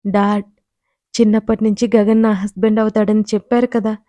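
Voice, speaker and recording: A woman's voice: medium pitch, little pitch movement, a little fast, warm tone, no room sound, highs cut off, natural voice. A woman voicing a distraught young woman who screams and sobs in anguish. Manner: screaming and sobbing.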